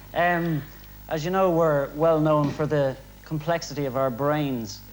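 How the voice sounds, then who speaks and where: Here a man speaks in an Irish accent, fairly high-pitched and fairly slow. His intonation is fairly even, and there is audible room echo. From Ireland. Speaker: dating show contestant. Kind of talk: game show answers.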